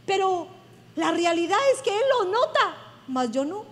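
Female pastor, very high voice, emphatic sermon style, long reverb of a church hall. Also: expressive, measured pace. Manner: effusive, emphatic preaching.

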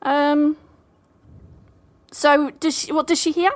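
A woman's voice: high-pitched, flat delivery, slow, no room sound. A woman playing a tabletop game, talking casually as she decides her character's moves.

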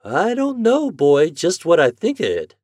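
A man's voice: on the high side, very animated, unhurried, a little mellow, dry recording, studio quality, voice pushed up. A man voicing an old-fashioned, thrifty farm mother in a storybook, speaking in rustic country dialect. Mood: wondering. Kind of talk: storybook character voice.

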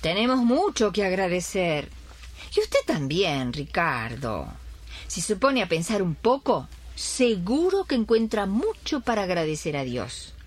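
A woman's voice: mid-range voice, wildly swooping pitch, a little slow. A woman playing a cheerful, contented and devout older pensioner in a radio drama.

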